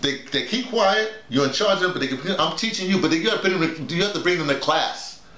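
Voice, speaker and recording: A middle-aged or older man talking casually and emphatically to colleagues like a teacher, often halting and repeating his words over and over. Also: a little high, animated, bright, forceful tone, a little hiss or hum. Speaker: workshop leader and radio drama teacher. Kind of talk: casual informal explanation to colleagues. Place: small indoor room with bare walls, seated. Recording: roomy, echoing small room.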